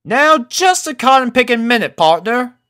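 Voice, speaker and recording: No-nonsense country mare for a storybook, raised pitch, bright, folksy drawl, acted by a man. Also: big pitch swings, moderate pace, smooth, heavily acted. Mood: friendly.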